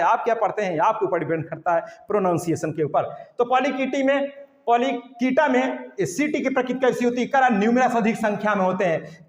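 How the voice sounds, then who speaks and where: A man teaching a biology exam-prep lesson. He repeats each question and its options, and keeps asking the students what the right answer is. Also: high voice. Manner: repetitive, drilling questions, says "guys" often. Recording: echoey room with long reverb.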